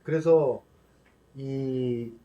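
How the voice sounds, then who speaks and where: Measured man explaining in a discussion. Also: mid-range voice, mellow, dull audio. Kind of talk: casual roundtable discussion.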